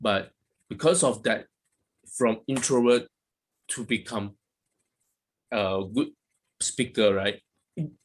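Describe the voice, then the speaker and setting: A man from Malaysia, speaking in halting, hesitant phrases over a video call. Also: mid-range voice. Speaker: guest speaker.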